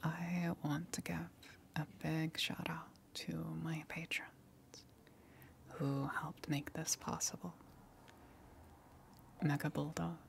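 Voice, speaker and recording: A woman ASMR creator giving a whispered thank-you reading in a breathy voice. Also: sits low, slight background noise.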